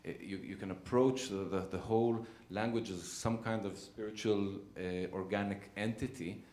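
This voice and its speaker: A low-voiced man speaks slowly and haltingly, often stopping to search for the right word. His voice carries around a roomy theater hall, picked up by a handheld microphone. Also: steady tone, darkish tone. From Israel. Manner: halting, searching for words with many fillers. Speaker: playwright. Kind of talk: post-show talkback answers.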